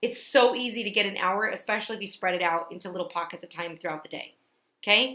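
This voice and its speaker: A woman with a bright, sharp tone talks at a very fast pace and medium pitch. Her pitch variation is ordinary, and her loudness swings a lot. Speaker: network marketing business coach. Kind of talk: motivational tutorial talk.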